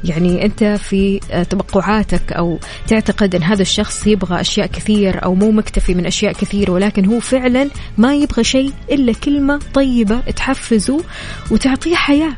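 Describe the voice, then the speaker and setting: A woman's voice: medium pitch, fairly even intonation, quick pace, a little mellow. A woman with a Saudi accent presenting live radio and contests, addressing listeners directly in an upbeat announcer delivery. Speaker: radio host. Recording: music playing behind the voice. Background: music bed.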